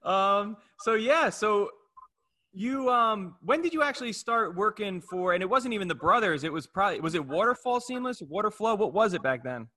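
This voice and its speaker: A man's voice: high-pitched, lively intonation, normal speed, bright, forceful tone. A man co-hosting a podcast, upbeat and easygoing as he introduces and interviews a guest. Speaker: podcast co-host. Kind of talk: podcast hosting, casual chat.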